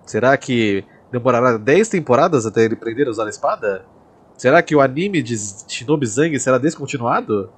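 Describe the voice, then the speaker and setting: A man putting on a grandiose, mock-epic male anime narrator voice, slow and overdramatic. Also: medium pitch, expressive, breathy edge, pitched below the performer's own voice. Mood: mock solemn.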